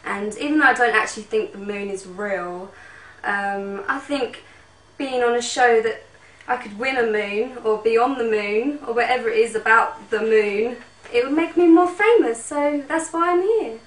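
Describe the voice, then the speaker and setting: Brief: woman as a ditzy young starlet, fairly high voice, echoey room, mic distant. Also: normal speed, lightly acted. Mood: airheaded. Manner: ditzy, rambling, self-absorbed. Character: vain, dim young actress, 19.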